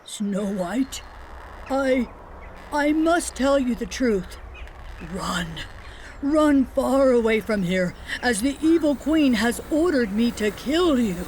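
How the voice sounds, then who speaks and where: A woman's voice: fairly high pitch, expressive, takes it slowly, a little mellow, slight background noise, rough recording. A woman voicing a kindhearted, sorrowful huntsman in an earnest, dramatic manner for a children's fairy tale. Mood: anguished. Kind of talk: children's storybook acting.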